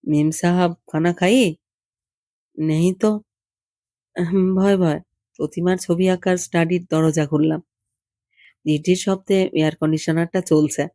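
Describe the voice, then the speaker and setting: A narrator reading a literary short story in an intimate, gentle fireside storytelling manner. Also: mid-range voice, steady tone, a little slow, long pauses, dry recording. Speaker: audiobook story reader.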